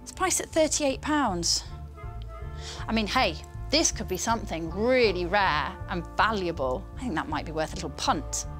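A woman's voice: medium pitch, lively intonation, normal speed, fairly bright tone, soft background music. A young woman, an antiques expert, musing aloud and chatting casually in a shop. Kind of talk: casual on-camera talk.

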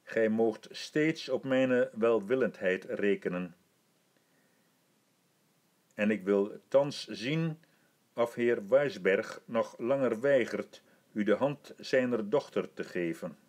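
A gracious old emperor, put on by a male reader of an old storybook, speaking with slow, deliberate dignity. His words come out formal and measured, full of calm command. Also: fairly low pitch. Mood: stately. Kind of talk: audiobook reading.

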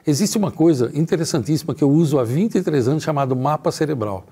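A middle-aged male trainer gives a motivational workplace lesson, speaking emphatically and straight to the listener. His voice sits a bit high for a man, yet it sounds warm and mellow with a husky edge. He acts out little dialogues to make each point. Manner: emphatic, talks straight to the viewer.

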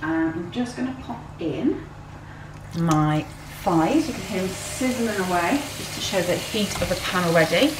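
Chatty home cook in her 40s, slightly hoarse, low voice, echoey kitchen. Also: animated, moderate pace. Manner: chatty, many ums, stresses points with "okay?". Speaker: cooking vlogger. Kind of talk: chatty cooking vlog to camera. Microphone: handheld camera close to face. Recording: echoey kitchen with faint hum.

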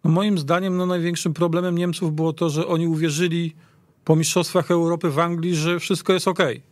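A man giving conversational football analysis, haltingly, repeating words as he goes. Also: fairly high pitch, little pitch movement, no echo. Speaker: football pundit.

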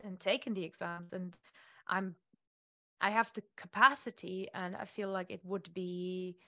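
Animated woman on a video call. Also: fairly low pitch, a little slow, no room sound. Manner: animated, gestures while talking. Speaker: guest. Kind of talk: casual conversation. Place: home room, indoors. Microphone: earphones on a video call.

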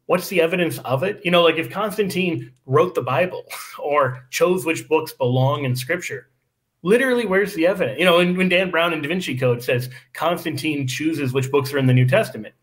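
A man in his thirties, a guest on a podcast, making an animated, argumentative case over a video call. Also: a little high. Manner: animated, argumentative, quick asides. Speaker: guest apologist. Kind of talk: casual podcast discussion. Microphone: video call microphone.

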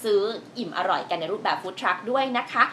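Woman DJ, lively swinging pitch, bright promo read, faint studio noise. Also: fairly quick. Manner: lively announcer delivery, playful. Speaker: radio DJ co-host.

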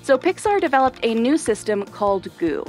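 A woman narrates an explainer. Her scripted delivery is clear and measured. Faint music plays underneath. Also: sits high, very animated, darkish tone.

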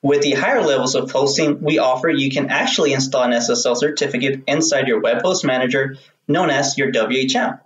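A man's voice: mid-range voice, steady tone, fairly quick, lo-fi sound. Echoey, distant man giving instructions. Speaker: web hosting support expert. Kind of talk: scripted step-by-step tutorial. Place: small indoor room. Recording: echoey, distant room microphone.

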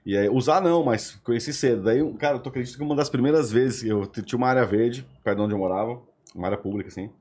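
A man talking as a guest on a casual podcast, telling a story in quick, slangy bursts. His voice has a husky grain. He speaks at a brisk pace and keeps the telling animated. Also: mid-range voice. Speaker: podcast guest, former radio host. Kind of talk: animated anecdote in casual chat.

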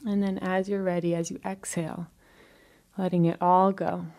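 Giving soft, slow relaxation instructions, a woman speaks soothingly in a lowish voice with little pitch movement. She pauses frequently between phrases.

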